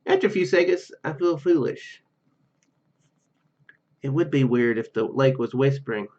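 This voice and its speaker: A man's voice: medium pitch, expressive, moderate pace, a little mellow. A man reading a game's narration aloud and adding casual commentary as a gaming video host, on a slightly lo-fi microphone.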